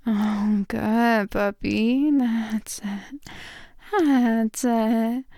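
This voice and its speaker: A woman performing intimate adult roleplay as a dominant, affectionate lover, murmuring drawn-out praise and sometimes slipping toward a whisper. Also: on the high side, steady tone, dark tone, no echo, studio quality. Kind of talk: intimate erotic audio roleplay addressed to the listener.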